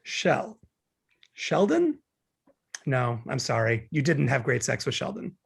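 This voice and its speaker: Guy acting cynical young know-it-all, raspy, lively pitch, needling, table read. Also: takes it slowly, heavily acted. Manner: sardonic, argumentative, needling. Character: cynical, glib, morbid young law graduate, male. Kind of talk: informal script table read.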